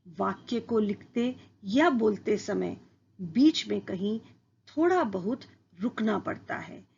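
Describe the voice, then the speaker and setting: Woman teacher, scripted school lesson, slow deliberate delivery, gravelly husky voice, dull lo-fi sound. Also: mid-range voice.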